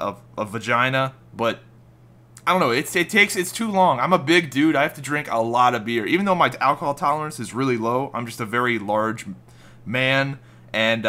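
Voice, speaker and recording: A young man with a slightly raspy, just-woken-up voice, rambling casually and swearing freely as he talks over gameplay footage. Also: medium pitch, sharp tone. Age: young adult. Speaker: gaming YouTuber.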